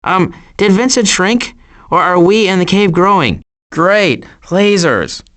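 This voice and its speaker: A man voicing a wry, nervous woodland animal in an animated video game, sarcastic and exasperated. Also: high voice, slow, full character voice.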